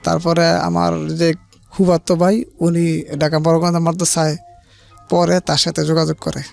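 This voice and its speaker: A man's voice: on the high side, little pitch movement, normal speed, creaky, soft background music. A man telling his life story as an interview guest, hesitant and plain-spoken, with frequent restarts. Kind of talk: halting personal storytelling.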